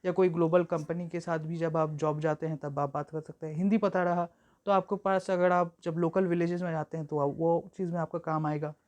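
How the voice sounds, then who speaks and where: A young woman tutor giving an exam-prep lecture, explaining at length with frequent fillers and slowing down to read example sentences aloud. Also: fairly low pitch, fairly even intonation, a little mellow. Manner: reads English examples slowly and deliberately. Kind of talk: exam-prep lecture mixing Hindi and English.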